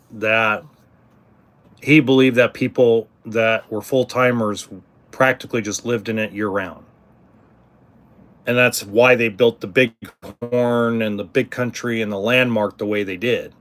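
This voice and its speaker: A middle-aged man hosting a casual livestream about RVs, answering viewers in a rambling way, with frequent ums, restarts and blunt cursing. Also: medium pitch. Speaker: RV livestream host.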